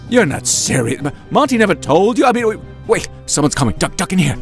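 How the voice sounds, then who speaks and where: A man's voice: high-pitched, very animated. Man acting a stammering, anxious gangster, music behind. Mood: anxious, placating. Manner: stammering, halting, flustered. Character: anxious, flustered male gangster, pleading with his sweetheart. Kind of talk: comic audio drama acting.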